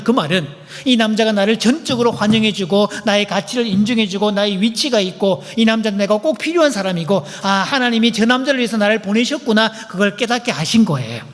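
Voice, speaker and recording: Animated high-voiced male pastor in an echoey church. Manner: animated, playful, asks the audience questions. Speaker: pastor leading a couples seminar. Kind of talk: lively seminar lecture. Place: church sanctuary.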